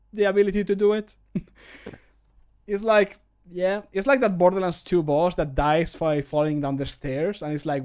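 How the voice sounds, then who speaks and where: A man's voice: high voice, darkish tone. A man in his thirties chatting casually as a streamer, in an amused, self-deprecating way, close on the microphone. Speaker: streamer recording mod voicelines. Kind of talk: casual livestream chat. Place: small home room. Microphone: close studio microphone.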